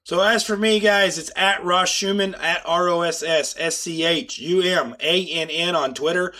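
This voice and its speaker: Guy with a head cold, stuffy nose, highish voice, earnest podcast cohost. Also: steady tone, normal speed, sharp tone. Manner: earnest, upbeat promoter. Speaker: podcast co-host. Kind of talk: casual podcast chat.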